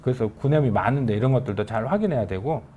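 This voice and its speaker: A man's voice: medium pitch, rapid-fire, lo-fi sound, a little hiss or hum. A middle-aged man, an oncology professor with a regional Korean dialect, giving a conversational medical lecture. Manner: animated, conversational lecturing that acts out patients' questions.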